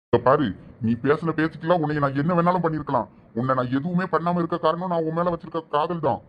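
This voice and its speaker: A man's voice: on the high side, quick pace, lo-fi sound, natural voice. A man playing an obsessive, menacing kidnapper villain who gloats and threatens in a village drama. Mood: threatening.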